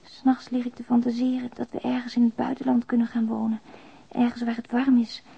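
A woman's voice: a little high, monotone, brisk, creaky, slightly rough, exaggerated voice. An actress playing a despairing young single mother who confides in a plain, subdued way, as in a radio drama letter. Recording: dull, lo-fi radio drama recording.

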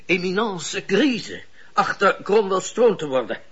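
An actor playing a cynical, bossy political schemer in a radio drama, speaking emphatically and with sardonic bite. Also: male voice, high-pitched, very animated, measured pace, a bit bright, full character voice. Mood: sardonic, scheming. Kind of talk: Dutch radio drama acting. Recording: dull lo-fi radio recording.

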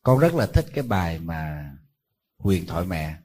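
A man's voice: low voice, sing-song, moderate pace, darkish tone. A man, a Buddhist monk giving a sermon, telling stories in a conversational way and throwing rhetorical questions at his listeners.

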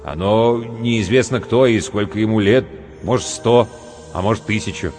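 A man's voice: on the low side, moderate pace, darkish tone, pitched above the performer's own voice, natural voice. A man voicing a nervous, whiny young male soldier who complains. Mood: anxious. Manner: whining, complaining. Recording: long reverb with faint music.

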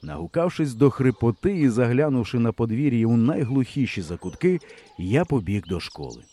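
A man reading a first-person novel aloud with expressive storytelling. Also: mid-range voice, normal speed. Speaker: audiobook reader. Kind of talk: audiobook narration.

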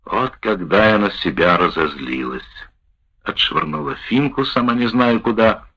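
A man narrates a wartime memoir in a low, husky voice. His measured reading moves through a wide, lively melody. The recording sounds dull and lo-fi. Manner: measured, expressive first-person reading.

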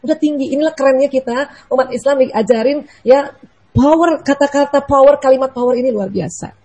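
A woman giving a lively, playful religious lecture to mothers, often asking the audience questions. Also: high voice, fairly quick, low-quality recording. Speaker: Islamic lecturer.

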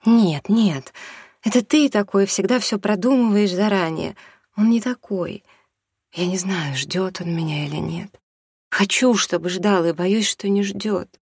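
A reader voicing a desperate mother torn by a new love, pleading in a husky, high, breaking voice. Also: moderate pace, no room sound, clean studio sound. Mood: anguished. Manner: pleading, tearful, rising to high anguished pitch. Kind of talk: audiobook reading.

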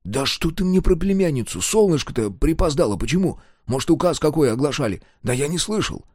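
A man's voice: on the high side, expressive, fairly quick, a little mellow, no echo, clean studio sound, pitched above the performer's own voice. A man voicing a timid, sly village woodcarver who asks anxious, pleading questions.

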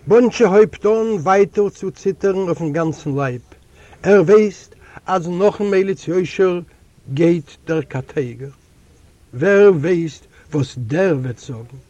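An older man, a native Yiddish speaker, reading a literary story aloud in a slow, dramatic storytelling manner with sudden soft drops. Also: on the high side, dry recording, highs cut off. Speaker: reader of a literary recording.

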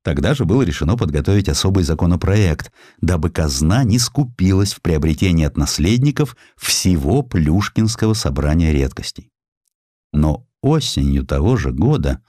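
Deep-voiced man narrating with lively intonation. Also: no room sound, clean studio sound. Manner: expressive, theatrical storytelling with acted quotes. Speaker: audiobook narrator. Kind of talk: scripted narration of a historical essay.

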